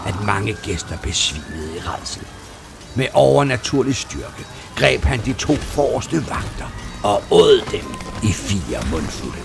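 A man narrating a fantasy story in a steady, dramatic storybook style. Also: medium pitch, creaky. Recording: music playing underneath.

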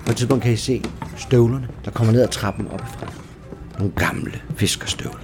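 A man running a tabletop horror game as game master, describing scenes in a measured, suspenseful way. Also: mid-range voice, steady tone. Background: background music.

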